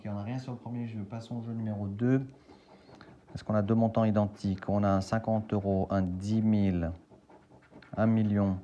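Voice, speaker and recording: A man's voice: on the low side, mellow, muffled recording, slight background noise. A man casually thinking aloud and spelling out letters as he scratches lottery tickets for a video.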